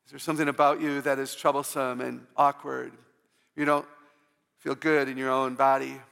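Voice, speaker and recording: A woman with a low voice, often taken for a man's, giving an inspirational church talk full of humorous personal stories and call-outs to the audience. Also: little pitch movement, normal speed, creaky, a bit bright, big-room sound.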